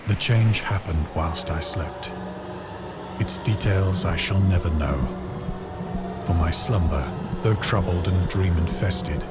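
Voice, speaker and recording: A deep-toned lost sailor recounts a horror tale in a visual novel game. His phrasing is formal, literary and measured, full of dread. Loud music runs behind the voice. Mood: grave, uneasy. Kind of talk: first-person horror story narration.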